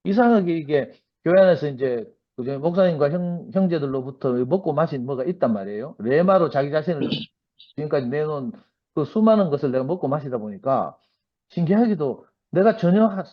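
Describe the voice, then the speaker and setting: A middle-aged man with a Gyeongsang accent gives a testimony at a church gathering. His voice sits a little high, and he acts out the exchanges as he tells them. The recording sounds dull and lo-fi. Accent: Gyeongsang Korean. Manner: animated storytelling, acts out dialogue. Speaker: church member giving testimony. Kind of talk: personal testimony at a church meeting.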